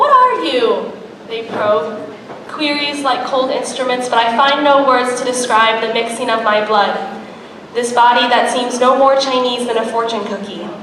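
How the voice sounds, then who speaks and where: Against noticeable background noise, a woman with a high pitch talks at a moderate pace with fairly even intonation. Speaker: spoken word poet. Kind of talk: spoken word poetry performance.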